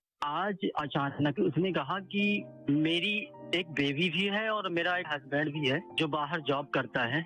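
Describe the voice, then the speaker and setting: Music in the background behind a man's fairly high voice, very even in loudness, with ordinary pitch variation. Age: 20s. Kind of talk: radio caller on phone. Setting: phone line.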